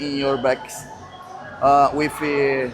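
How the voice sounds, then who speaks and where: Over music in the background, a man speaks very slowly at a fairly high pitch. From Brazil. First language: Portuguese. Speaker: bodybuilder. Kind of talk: casual chat. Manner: halting.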